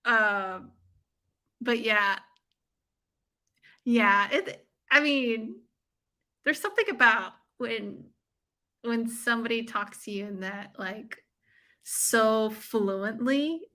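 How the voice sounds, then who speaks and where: An American woman hosts a casual live watch-along. Her voice sits a little high and is very bright and forward. She talks informally and effusively, with plenty of slang, as if chatting with her viewers. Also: lively intonation, takes it slowly, pauses often. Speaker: livestream watch-along host. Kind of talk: casual live chat with viewers and fight commentary.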